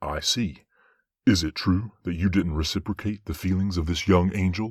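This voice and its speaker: A man's put-on character voice, very deep and low, at a moderate pace in a very clean recording with a silent background. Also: fairly even intonation. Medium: audio drama. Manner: measured, authoritative.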